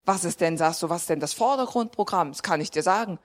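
A woman's voice: on the low side, lively intonation, fast talker. A woman preaching a sermon in a conversational way, asking her listeners questions directly and rising to emphatic points.

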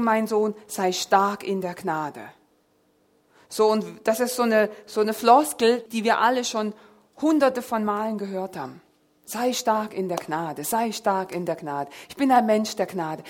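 A woman preaching a sermon, speaking directly to the congregation, reading scripture aloud and explaining Greek words. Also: fairly high pitch. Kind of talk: sermon with Bible exposition.

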